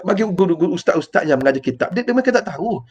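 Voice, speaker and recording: A man's voice: high-pitched, lively intonation, very fast, a little mellow, slightly rough, lo-fi sound. An older man with a Malaysian Malay accent giving a rambling, emotional live-streamed religious talk, repeating words and calling himself by his title. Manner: rambling, repetitive and emotional, refers to himself in the third person. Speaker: preacher.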